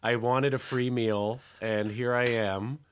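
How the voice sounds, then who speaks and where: A man's voice: medium pitch, fairly even intonation, slow pace, heavy background noise. A man appearing as a guest comedian on a podcast, making wry, self-mocking jokes in casual chat.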